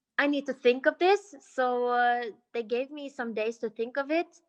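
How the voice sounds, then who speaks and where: A woman's high-pitched voice with a Norwegian accent, a fairly slow pace and a quiet background. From Norway. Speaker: singer. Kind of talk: interview. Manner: halting.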